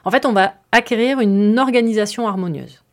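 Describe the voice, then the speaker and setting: A woman's voice: medium pitch, a little fast. Woman, podcast host, casual spoken explainer, chatty, fillers and asides.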